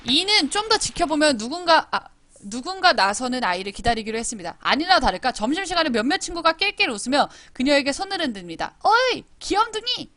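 Bright, lively high-voiced woman streamer. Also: fast talker, no echo. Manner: chatty and playful, scolding her game characters; reads on-screen story text aloud. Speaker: game streamer. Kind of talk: live-streamed game commentary.

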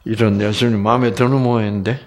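A man from Gyeongsang Province giving a lively Bible lecture, often quizzing his audience. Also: lowish voice, fast talker. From Gyeongsang Province, Korea. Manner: animated, keeps quizzing the audience.

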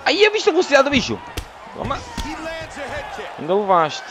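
A man with a European Portuguese accent commentating his own fight game, excitable and lurching from yelling to groaning. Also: very high-pitched, moderate pace. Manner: animated, swings from yelling to groaning. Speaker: gaming YouTuber.

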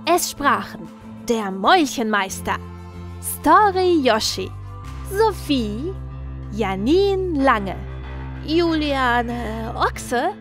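Slow, lively woman narrator over music. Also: sits high. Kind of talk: scripted storybook narration and credits.

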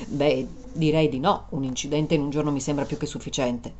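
A woman's voice: sits low, fairly even intonation, a little fast, darkish tone, slight background noise, pitched below the performer's own voice, lightly acted. A woman putting on a curt, swearing man. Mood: placating. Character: irritable, foul-mouthed young man driving. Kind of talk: dramatized story reading.

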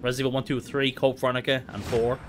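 A man's voice: medium pitch, level tone, racing, background noise. A man giving casual live commentary as he plays a video game, with playful asides. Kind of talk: casual gaming livestream commentary. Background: horror game sound.

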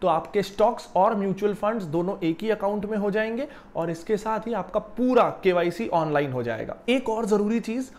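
A young man giving a lively explanatory video lesson about investing, seated in a small office and using a lapel mic. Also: high voice, fairly quick, hardly any pauses. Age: young adult. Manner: animated, gestures while explaining. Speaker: finance educator.

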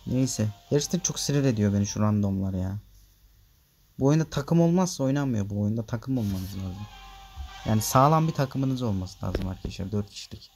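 A man's voice: on the low side, lively intonation, fairly quick, a little mellow, faint music behind. A man giving casual gameplay commentary, chatting straight to his viewers and grumbling about his random teammates. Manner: grumbling, easily annoyed at teammates; chatty, addresses viewers directly. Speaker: gameplay video maker.

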